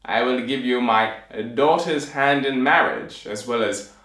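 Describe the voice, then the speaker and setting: A man voicing an imperious, scheming storybook king with a grand, measured, drawn-out delivery. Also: medium pitch, a bit bright, reverberant, natural voice. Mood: scheming, commanding. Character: booming, imperious, scheming old-fashioned king.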